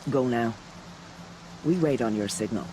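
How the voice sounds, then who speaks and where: A middle-aged man voicing a tribal war chief in a game cutscene, giving measured, commanding orders. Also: mid-range voice, background noise, close to an everyday voice. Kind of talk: video game cutscene acting.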